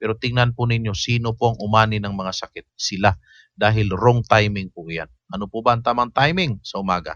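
The pace stays moderate. It is a normal speaking voice whose pitch varies in an ordinary way. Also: man. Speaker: alternative medicine practitioner. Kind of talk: health advice explanation.

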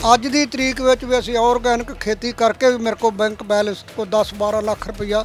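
A man speaks at an extremely high pitch with a flat, monotone delivery. Music plays in the background. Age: 80s+. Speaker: farmer. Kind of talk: interview.

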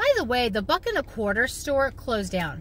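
Over light background noise, a woman speaks at a moderate pace with a dry sound and no echo. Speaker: crochet vlogger. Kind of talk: casual vlog chat. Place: car. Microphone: phone near.

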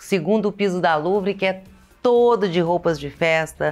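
A woman's voice comes through with faint music in the background. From Brazil. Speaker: TV fashion presenter. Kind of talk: sales pitch. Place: shop.

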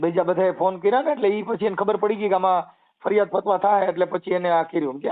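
A man talks in a high pitch. His pitch variation is ordinary. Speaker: activist helping fraud victims over the phone. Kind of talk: phone conversation. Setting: phone call.

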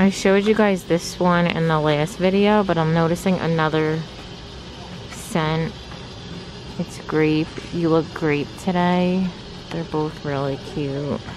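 Over music in the background, a woman with a fairly low pitch speaks at a fairly slow pace with long, frequent pauses and fairly even intonation, in a dry sound with no echo. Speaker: lifestyle vlogger. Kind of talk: casual vlog chat. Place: shop.

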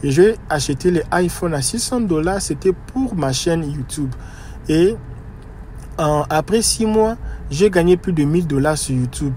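A man with a fairly high voice talks at a fairly slow pace with long, frequent pauses and lively intonation, in a dry, echo-free recording with light background noise. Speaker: YouTuber vlogger. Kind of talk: casual vlog monologue. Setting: in a store, then in office. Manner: informal, hesitant, many fillers. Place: home room. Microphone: phone near.

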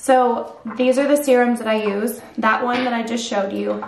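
Amid audible room echo, a woman speaks with fairly even intonation. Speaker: beauty vlogger. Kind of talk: casual vlog chat. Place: bathroom. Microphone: phone near.

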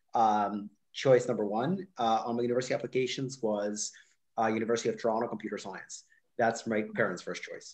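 Someone with a Canadian accent speaks with ordinary pitch variation against a quiet background. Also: man. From Ontario, Canada. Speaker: personal trainer and author. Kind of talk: interview. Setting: video call. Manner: fast. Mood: friendly, smiling. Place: home room. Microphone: video call.

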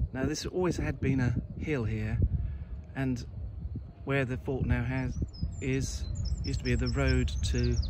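A man talks at a moderate pace, his voice dry with no echo against noticeable background noise. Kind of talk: casual guided-tour commentary. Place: street. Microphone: phone near.

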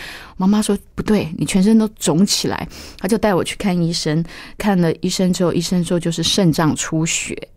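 A woman at a moderate pace, her intonation fairly even, against a quiet background. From Taiwan, rural countryside. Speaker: pastor's wife and full-time minister; pastor's wife, full-time minister. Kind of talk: testimony. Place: studio.

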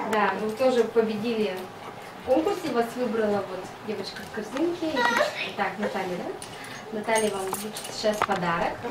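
Loud background noise surrounds a woman who speaks at a moderate pace with long, frequent pauses. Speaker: social media group admin. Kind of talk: award presentation. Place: office. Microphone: camera far.

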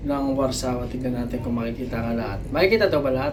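A man talks in an animated tone with lively intonation, with audible room echo and noticeable background noise around him. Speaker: travel vlogger. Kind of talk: walking travel vlog narration. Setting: outdoors walking through a city.

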